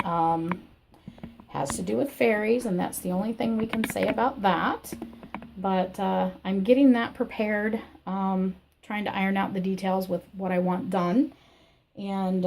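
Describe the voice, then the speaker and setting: A woman with a scratchy, croaky voice from illness, hosting a crafting channel. She gives a rambling, chatty personal update from her home craft room. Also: mid-range voice, darkish tone. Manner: rambling and chatty, with many fillers. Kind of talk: casual personal update chat.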